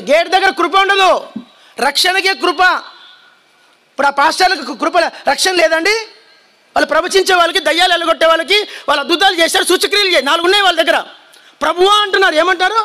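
A man preaching with fire to a congregation, his voice very high and sharp. He shouts his warnings and keeps pressing the listeners to answer and repeat after him. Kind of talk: fiery sermon. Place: church hall before a congregation.

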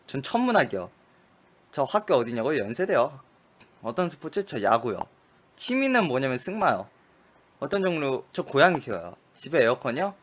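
A man's voice: fairly high pitch, a bit bright. A man playing a memory quiz game aloud, rattling off short clipped answers and cursing at his own mistakes. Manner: frustrated outbursts and muttered curses at mistakes. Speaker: gaming streamer.

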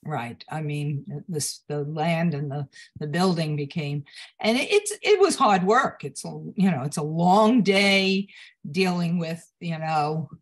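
An older woman talking over a video call in a room at home, her voice at an ordinary middle pitch. She reminisces slowly, pausing on fillers and restarting phrases as she thinks back. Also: lively intonation. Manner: reminiscing, unhurried, halting with fillers. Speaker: photographer and guest.

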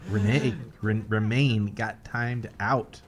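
A man's voice: fairly low pitch, fairly even intonation, takes it slowly, music in the background. A man co-hosting a live game stream, relaying viewer requests in a dry, laid-back way. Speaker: stream co-host reading chat. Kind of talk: casual live stream chat.

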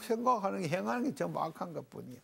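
A middle-aged man, a pastor giving a Bible lecture to a panel in a folksy, animated way. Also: high voice, very fast, gravelly. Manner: animated and folksy, explains Hebrew words in homely terms.

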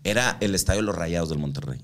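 A man's voice: deep voice, fast. A man from Mexico, telling stories in casual, slangy speech full of swearing and acted-out quotes. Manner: slangy, swears a lot, acts out quoted voices. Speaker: guest. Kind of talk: casual storytelling.

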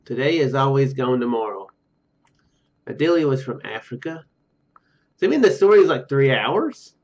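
Very animated and mid-range, this young man's voice has a darkish tone and moves at normal speed. As a streamer doing relaxed let's play commentary, he reads the game's text and rambles off into jokes. The sound comes from a dull lo-fi home mic in a small indoor room, with game music playing.

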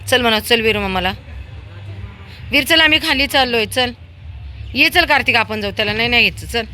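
Out on the terrace of her home, a pet owner films her dog and a small child for a casual video. Her voice is a little high, bright and forceful at a moderate pace, and she coaxes them in a sing-song baby-talk tone; a slight hiss or hum is audible.

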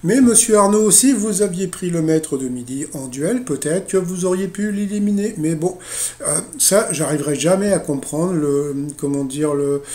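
A man's voice: fairly high pitch, normal speed, mellow. A man casually recapping a TV quiz show for a video, rambling with many fillers and joking asides. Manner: rambling, full of "donc, euh, voilà" fillers and joking asides.

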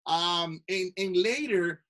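A man's voice: sits high, slow, fairly bright tone. A man presenting a lesson on pin trading to youth learners, repeating himself, restarting phrases and adding asides to the learners. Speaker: Pathfinder instructor.

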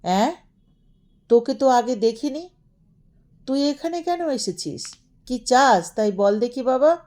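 A woman's voice: high-pitched, animated, unhurried, dark tone, pitched above the performer's own voice. Storybook role: crotchety old male householder, woman performing, commanding, grumbling, scolding. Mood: surprised, questioning. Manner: grumbling, scolding, calling out to servants. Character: irritable, imperious old male master of a grand house.

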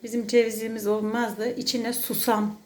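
A woman's voice: on the high side, flat delivery, normal speed, darkish tone. A woman chatting casually as a daughter with her mother, affectionate and teasing. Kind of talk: casual chat.

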